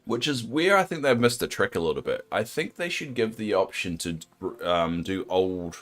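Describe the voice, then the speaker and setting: A young adult man with a New Zealand accent and a deep, soothing voice, chatting casually and self-deprecatingly with his viewers while playing a game. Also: very animated, moderate pace, faint music behind. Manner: rambling, self-deprecating, sympathetic. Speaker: game streamer.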